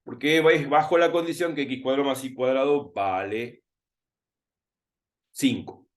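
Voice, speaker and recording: A man with a Rioplatense Spanish accent tutors through a recorded math lesson. He talks to himself as he writes, drawing out and repeating key words at an unhurried pace. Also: medium pitch. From Argentina. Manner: thinking aloud while writing, repeating words slowly.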